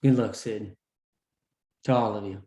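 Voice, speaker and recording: A man's voice: lowish voice, fairly even intonation, unhurried, mellow, close to an everyday voice. Echoey man acting a resigned young captive. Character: resigned, remorseful young captive, boss's son. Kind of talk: script table read. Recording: echoey, distant-sounding room.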